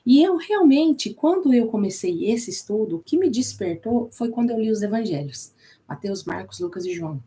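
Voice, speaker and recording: A woman's voice: fairly high pitch, lively intonation, moderate pace, mellow. A woman with a Brazilian Portuguese accent who teaches an informal Bible class in a chatty way, repeating herself and using many fillers.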